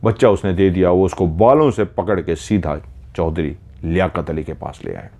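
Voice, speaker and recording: A man's voice: low voice, normal speed, dark tone. A man with a Pakistani Urdu accent narrating a horror story dramatically, voicing each character himself.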